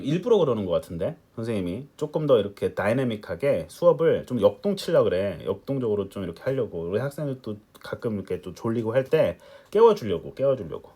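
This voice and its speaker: Lively Korean teacher with animated pitch. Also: male voice, breathy edge. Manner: animated, chatty, asks students rhetorical questions and jokes asides. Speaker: English test-prep teacher. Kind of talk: recorded online lecture.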